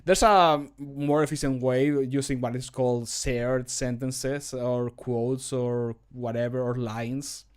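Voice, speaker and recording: A man's voice: mid-range voice, steady tone, takes it slowly, few pauses, clear, resonant tone. A middle-aged man chatting casually and self-deprecatingly as he streams from a small room at home, close on the microphone. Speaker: streamer recording voice lines for a game mod. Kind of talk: casual livestream commentary.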